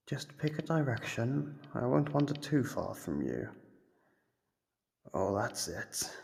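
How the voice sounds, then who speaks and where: Guy doing a sadistic monster captor for horror asmr, super creaky gravelly voice, slow and teasing, toying with prey. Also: medium pitch, darkish tone, heavily acted. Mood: taunting, amused, then impatient, teasing. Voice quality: gravelly, husky voice. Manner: slow, drawn-out, teasing delivery. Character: sadistic male monster captor, playfully taunting and menacing. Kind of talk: ASMR horror roleplay monologue.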